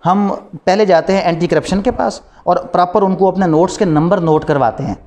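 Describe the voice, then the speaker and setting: A Pakistani man with a fairly high-pitched voice delivers a classroom law lecture. His manner is didactic, as he keeps putting short questions and then supplying the answers himself. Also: brisk, a little mellow.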